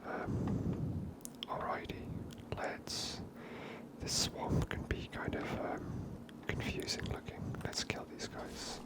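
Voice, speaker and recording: A man giving gentle, unhurried ASMR game commentary in a breathy whisper, close to the microphone.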